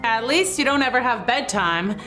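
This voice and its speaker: A woman's voice: on the high side, lively intonation, normal speed, bright, forceful tone, soft background music. A woman storyteller narrating a children's tale in a perky, exaggerated way, as if she were the young heroine. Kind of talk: animated first-person storybook narration, playing a young girl.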